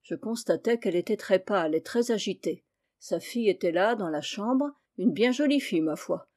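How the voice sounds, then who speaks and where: A woman's voice: medium pitch, animated, moderate pace, darkish tone, close to an everyday voice. A woman reading as a boastful police inspector. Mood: pleased. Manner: self-satisfied storytelling.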